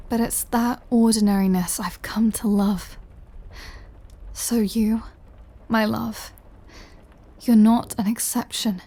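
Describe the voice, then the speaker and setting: A woman playing a centuries-old vampire lover in an intimate audio roleplay, tender and brooding, speaking softly and confidingly and often dropping to a whisper. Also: medium pitch. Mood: wistful, then frank, tender.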